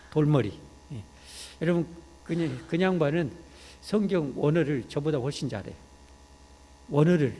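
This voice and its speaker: A man with a Jeolla accent preaching a sermon in a church, talking like in conversation, peppering lines with "ye" and turning to loud emphatic calls. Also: fairly high pitch, breathy edge. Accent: Jeolla Korean. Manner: conversational preaching, frequent "ye" interjections, rising to shouts when emphatic. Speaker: pastor. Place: church sanctuary. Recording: church hall reverb.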